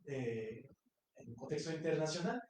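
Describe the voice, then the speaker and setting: A man's voice: fairly high pitch, very animated, normal speed, a little mellow, slight background noise. A man from Mexico speaking at a university panel, hesitant and full of fillers. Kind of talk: public talk. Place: university lecture hall. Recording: echoey lecture hall.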